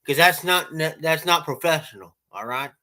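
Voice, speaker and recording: A man's voice: fairly high pitch, lively intonation, moderate pace, pushed and bright. A man who runs a lawn care business, giving casual, rambling advice with lots of repeats and restarts.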